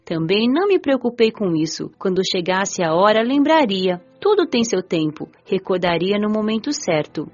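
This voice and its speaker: A woman narrating an audiobook in the first person, telling the story gently. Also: medium pitch, sing-song, moderate pace, few pauses, dull audio, soft background music.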